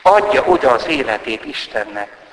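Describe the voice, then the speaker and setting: A calm, earnest village priest who admonishes gently and gravely. A man voices him close to his own speaking voice. The room is large and reverberant, with a long decay. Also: on the low side, heavily acted. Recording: roomy hall with long reverb.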